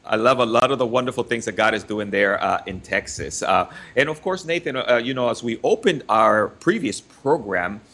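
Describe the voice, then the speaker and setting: A man's voice: mid-range voice, moderate pace, hardly any pauses, a bit bright. A man from the Dominican Republic hosting a Christian radio talk show, upbeat and chatty with frequent fillers.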